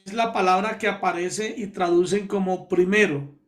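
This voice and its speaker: A pastor from Colombia leading a Bible study, explaining words slowly and repeating key terms to his listeners. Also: high-pitched, steady tone.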